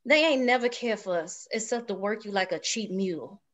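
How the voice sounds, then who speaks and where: A woman's voice: mid-range voice, lively intonation, moderate pace, lightly acted. A woman reading the part of a worried, stubborn pregnant wife in her thirties, scolding in rural Southern speech in a drama table read. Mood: distrustful, scolding.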